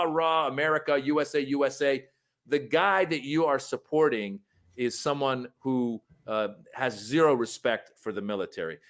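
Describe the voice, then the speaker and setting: Man from Iran, political commentator, earnest and argumentative, mid pitch. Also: fairly bright tone.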